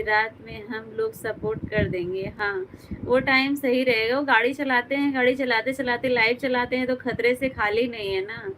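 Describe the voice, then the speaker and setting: A chatty woman from Uttar Pradesh hosts a live stream from home, reading out comments and greeting viewers by name. Her voice sits a little high but stays level, with little rise and fall. A faint hum runs under the recording. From Uttar Pradesh, India.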